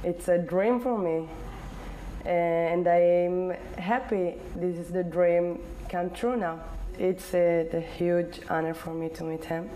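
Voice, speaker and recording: A woman in her twenties from Ethiopia, answering interview questions in halting English with many pauses and fillers. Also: lowish voice, fairly even intonation, dark tone, a little hiss or hum, poor audio. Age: 20s. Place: indoor living room.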